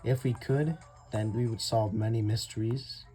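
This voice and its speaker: Young man, gameplay commentary, chatty, warm mellow tone, soft game music underneath. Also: lowish voice, fairly even intonation, moderate pace. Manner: chatty, addresses viewers as guys, laughs often. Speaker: gaming YouTuber. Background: faint game music.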